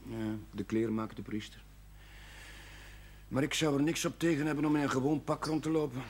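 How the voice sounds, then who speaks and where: An actor playing a frank, argumentative, idealistic Catholic chaplain in a television period drama. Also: male voice, mid-range voice, a little fast, a little mellow, natural voice. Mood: defiant. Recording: faintly noisy old television soundtrack.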